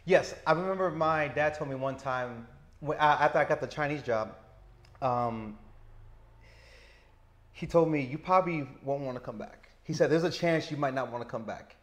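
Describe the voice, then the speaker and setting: A man in his thirties with a stutter, talking slowly and deliberately as an interview guest on a lapel mic indoors. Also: medium pitch. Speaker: interview guest, teacher living abroad. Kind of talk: casual interview. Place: indoor lounge with sofa.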